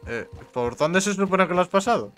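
A man's voice: high voice, animated, fairly bright tone, faint music behind. A young man from Spain chatting casually and joking while playing a video game. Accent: Spain Spanish. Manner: jokey, swears, quick outbursts. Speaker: gaming streamer. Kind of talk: casual chat while gaming.

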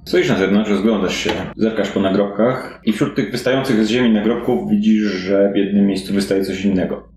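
A man's voice: on the low side, fairly even intonation, fairly quick, a little mellow, slight background noise. A man improvising descriptive narration as game master of a fantasy detective tabletop game. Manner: improvised, descriptive storytelling with hedging. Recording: roomy echo, faint music behind. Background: faint background music.

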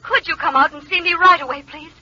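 An actress playing a troubled, pleading wife over a telephone in a 1940s radio drama. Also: female voice, high-pitched, quick pace, pushed and bright, highs cut off. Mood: anxious pleading. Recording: thin phone effect, noisy old radio recording.

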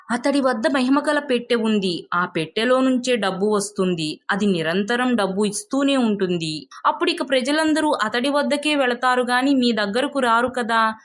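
A sly village man from a storybook , acted out by a woman narrator. He is envious and always plotting. He speaks with flattering, pleading insistence to get his way. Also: fairly high pitch, pitched above the performer's own voice, natural voice.

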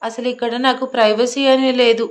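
A woman plays a defiant young heroine in a storybook romance, indignant and argumentative, firing back questions. The voice sits somewhat high and keeps her combative edge. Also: little pitch movement, normal speed, natural voice. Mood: indignant, angry.

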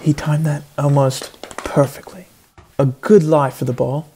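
A man giving earnest, deadpan play-by-play as a mock golf commentator in a parody sports broadcast. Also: on the high side, measured pace, a little hiss or hum. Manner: earnest play-by-play, building to excited outbursts.

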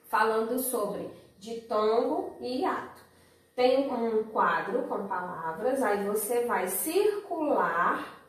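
A Brazilian woman teaching a remote lesson to young children, patiently explaining step by step and often checking in with "certo?". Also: a little high. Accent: Brazilian Portuguese. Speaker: primary school teacher. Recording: echoey room, voice from a distance.

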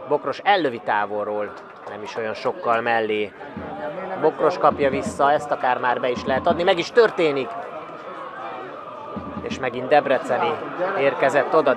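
Excited male football commentator over crowd noise. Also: medium pitch. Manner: excited, rising to shouts at chances. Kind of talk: live football match commentary. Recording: crowd noise behind, outdoor stadium. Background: crowd at an outdoor football ground.

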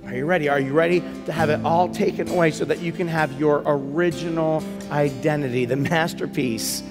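Middle-aged male pastor, earnest sermon, long hall reverb, soft guitar underneath. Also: fairly high pitch, steady tone, fairly quick. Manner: earnest, repeats words, rises to urgent emphasis. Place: large church stage with a band.

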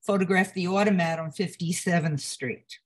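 An older woman talking over a video call in a room at home, her voice at an ordinary middle pitch. She reminisces slowly, pausing on fillers and restarting phrases as she thinks back. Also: steady tone. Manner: reminiscing, unhurried, halting with fillers. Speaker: photographer and guest.

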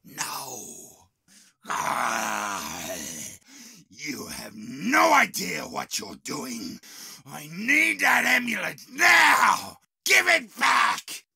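An actor playing a creepy, menacing old undead Australian grave robber in an audio drama, gravelly and theatrical, leering between hush and shout. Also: male voice, high voice, very animated, drawn-out words, no room sound, full character voice. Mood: furious.

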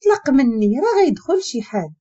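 A woman voicing a sharp, hurt young wife, speaking with a Moroccan accent in a clipped, pleading way. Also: high voice, very animated, fairly quick, slightly rough, pitched above the performer's own voice, heavily acted. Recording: dull lo-fi recording.

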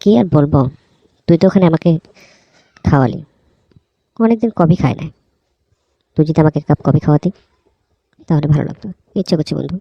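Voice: mid-range voice, expressive, brisk, long pauses, dry recording, dull audio. A performer voicing a broke, pleading cartoon friend who talks in a casual, chummy, coaxing way. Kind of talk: cartoon dialogue.

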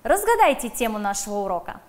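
A woman teaching a televised primary school lesson, addressing the children directly and dictating words slowly and emphatically. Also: on the high side, sing-song, a little mellow.

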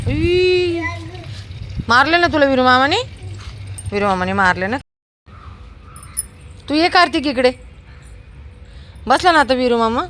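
A woman with a high, bright, forceful voice chats casually on her home terrace while filming her dog and a small child. She coaxes them along in sing-song baby talk for this home video, with a little hiss or hum in the audio.

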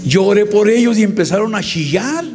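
Man, mexican accent, high-pitched preacher, shouting testimony, echoey hall, faint hum. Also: animated, a little fast. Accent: Mexican Spanish. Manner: impassioned preaching, often shouting. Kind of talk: sermon testimony.

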